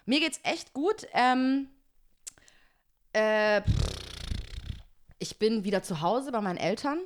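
A woman's voice: a little high, lively intonation, slow, clean tone. A young woman co-hosting a podcast in casual chat, chatty and laughing often, raising her voice when she mimics others.

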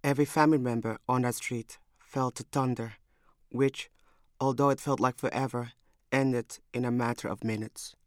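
A young man from Somalia reads a scripted first-person memoir in a measured, reflective way. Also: mid-range voice, fairly even intonation, no echo, clean studio sound. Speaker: storyteller.

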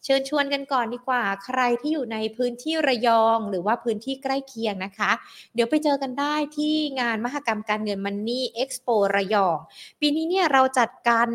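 A young woman hosting a stock market live stream, a little hoarse, chatting politely and greeting viewers. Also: a little high. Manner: polite, chatty, peppered with soft sentence particles. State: slightly hoarse. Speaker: host of a stock market show.

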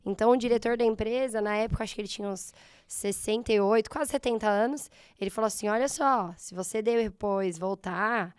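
A slightly hoarse woman in her thirties with a Brazilian accent, telling her story in a casual interview and acting out her past thoughts. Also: medium pitch, brisk, dry recording, clean studio sound. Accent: Brazilian Portuguese. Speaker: guest, entrepreneur.

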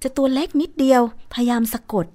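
A woman's voice: sits high, steady tone, a little fast, mellow. A woman hosting a radio program, talking to her listeners in a chatty, conversational way. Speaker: radio host. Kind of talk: casual radio talk.

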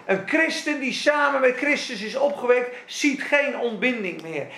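Fervent gravelly-voiced man preaching. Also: very high-pitched, lively intonation, a little slow, reverberant. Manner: fervent, swings from soft to shouted. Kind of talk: sermon.

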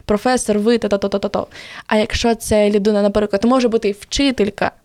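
Teen girl guest, relaxed warm tone, rambling lively storyteller, dry booth sound. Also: mid-range voice, fast, no echo. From Ukraine. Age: teens. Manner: chatty, lively storytelling with many fillers. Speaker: podcast guest. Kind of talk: casual podcast interview.

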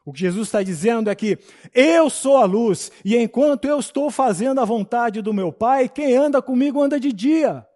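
A high-pitched man gives a classroom Bible lecture. He teaches in a preachy manner, often turning to the class to ask whether they follow and agree. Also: lively intonation, moderate pace, a little mellow. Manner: preachy, addresses class with frequent checks for agreement.

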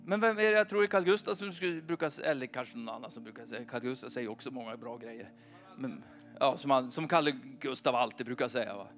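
A man in his forties preaching an informal, animated sermon at a church meeting, often asking his listeners "va?". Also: medium pitch, faint music behind. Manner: chatty, animated, keeps asking the crowd "va?".

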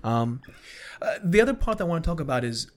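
A man's voice: a little high, very animated, quick pace. A young man from Hong Kong hosting a casual podcast conversation, thoughtful and hedging, with frequent restarts. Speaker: podcast host.

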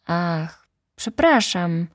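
A woman voicing the Little Prince, a gentle and lonely young boy, in an earnest, wondering storybook reading. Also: on the low side, lively intonation, drawn-out words, no echo, clean studio sound.

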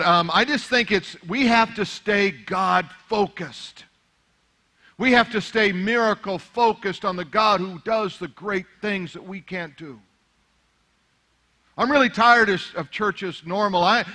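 Man, pastor, Arabic native speaker, middle-aged, bright voice, slightly high, conversational to fervent sermon. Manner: conversational, building to fervent preaching.

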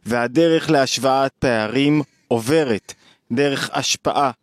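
A man's voice: mid-range voice, no echo, clean studio sound. A middle-aged man delivering a daily video lecture on psychology, emphatic and repeating phrases for stress.

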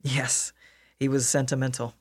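A man's voice: medium pitch, flat delivery, unhurried, husky, no room sound, clean studio sound. Earnest, conciliatory brother, played by a man. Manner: polite, conciliatory. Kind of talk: audio drama acting.

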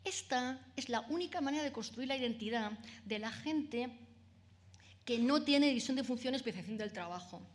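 A woman's voice: sits high, expressive, moderate pace. A woman with a Peninsular Spanish accent giving an academic lecture, explaining step by step and checking in with frequent tag questions and fillers. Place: lecture room with audience.

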